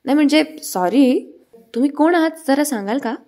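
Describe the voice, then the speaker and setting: A woman's voice: high voice, lively intonation, moderate pace, warm tone, pitched above the performer's own voice. A woman voicing a young female nurse applicant who apologizes and pleads for a chance. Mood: pleading.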